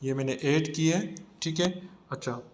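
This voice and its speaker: A man with a South Asian accent gives a casual software tutorial, explaining informally step by step. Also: fairly high pitch, moderate pace. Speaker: tutorial presenter. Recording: noticeable background noise.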